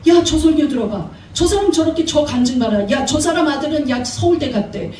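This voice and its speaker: A woman's voice: high-pitched, expressive, brisk, mellow, a little hiss or hum. A woman voicing a devil who mocks and coaxes believers, in an echoey hall, heard from a distance. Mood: taunting. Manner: taunting, coaxing, mocking. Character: sneering devil tempting believers. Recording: echoey church hall, mic far off.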